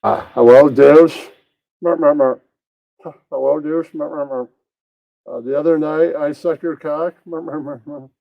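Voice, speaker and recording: A man's voice: on the high side, fairly even intonation, a little slow, vocal fry, long pauses, no room sound. A man voicing a crude, blunt puppet who pads his speech with repeated nonsense syllables in improvised adult comedy. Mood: crude, taunting. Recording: dull, muffled lo-fi sound.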